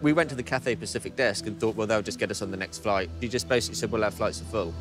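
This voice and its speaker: Easygoing New Zealand man, low voice. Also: rapid-fire, music in the background. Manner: easygoing, plain-spoken storyteller. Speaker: interviewee. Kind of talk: casual interview. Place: outdoors by a harbour.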